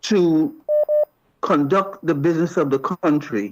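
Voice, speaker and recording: The delivery is fairly slow. An American accent is heard. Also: man. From Saint Lucia. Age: 80s+. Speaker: caller. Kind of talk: radio call-in. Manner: halting, repeats words.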